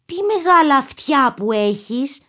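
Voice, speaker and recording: A high, eager little girl in a red hood from a storybook, put on by a woman reading aloud. Her thin voice jumps up well above an ordinary speaking voice and turns pleading. She is sweet, innocent and quick to worry. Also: lively intonation, bright, forceful tone. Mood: wary. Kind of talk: storybook character voice.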